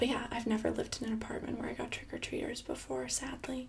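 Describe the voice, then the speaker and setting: A woman talks in a soft-spoken, gentle tone. Light background noise can be heard. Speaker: streamer or vlogger. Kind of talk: casual chat with a viewer or call guest. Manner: soft-spoken, gentle ASMR voice. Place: home room.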